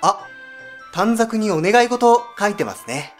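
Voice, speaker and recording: A man voicing a polite, devoted young man in a scripted educational story, speaking earnestly and gently. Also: high-pitched, lively intonation, measured pace, soft background music. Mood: polite, curious.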